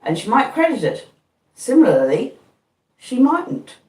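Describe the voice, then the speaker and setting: Lady reading as a kindly plodding blacksmith guy, talk, pitch swinging up and down, roomy echo. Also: big pitch swings, measured pace, darkish tone. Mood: pondering. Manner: plodding rustic speech, earnest and repetitive. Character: kindly slow-spoken blacksmith man, middle-aged. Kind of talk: audiobook reading. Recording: roomy, distant mic.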